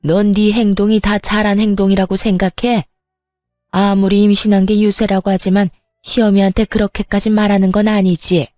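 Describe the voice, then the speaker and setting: A woman's voice: mid-range voice, little pitch movement, moderate pace, warm tone, no echo, clean studio sound, faint music behind, natural voice. A woman voicing an angry, scolding middle-aged mother-in-law in a narrated story, talking in a sneering, hectoring way. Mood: furious.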